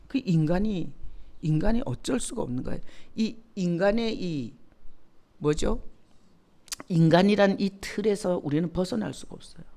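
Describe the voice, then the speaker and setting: A middle-aged woman pastor teaching a Bible study in a lively, candid way. Her voice has a gravelly, creaky edge. She often turns to the group with questions and laughs as she talks. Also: medium pitch.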